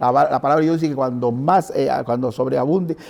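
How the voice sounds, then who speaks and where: Here is a man with a normal speaking voice and a fairly high pitch. He talks at a fairly quick pace. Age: 60s. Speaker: bishop, pastor. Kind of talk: interview testimony.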